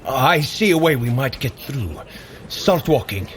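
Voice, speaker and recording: Earnest warrior god, protective brother, emphatic, very expressive pitch, fantasy audio drama, faint background noise. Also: male voice, measured pace. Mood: concerned, earnest.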